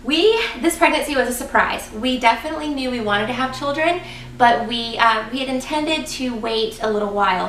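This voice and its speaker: Woman vlogger, bright voice, slightly raspy and stuffy, echoey room, faint music behind. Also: a little high, recorded from a distance, a little hiss or hum. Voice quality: a little raspy. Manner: chatty, excited, lots of ums. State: congested, getting over a cold. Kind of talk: casual vlog talking to viewers. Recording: echoey room, voice a bit off-mic.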